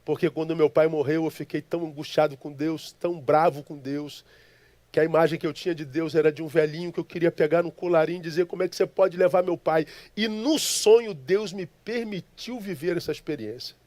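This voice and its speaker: Impassioned high-voiced preacher from Rio. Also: male voice, a little fast, a little mellow, no echo. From Brazil, Rio de Janeiro. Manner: dramatic, impassioned, stammers when moved. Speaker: pastor. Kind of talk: emotional sermon storytelling.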